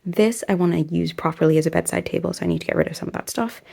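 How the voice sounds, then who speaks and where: Creaky young woman chatting in her bedroom. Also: fairly low pitch, very fast, dark tone, recorded from a distance. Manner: rambling, self-correcting, talks while tidying. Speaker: vlogger. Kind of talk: casual chatty vlog narration.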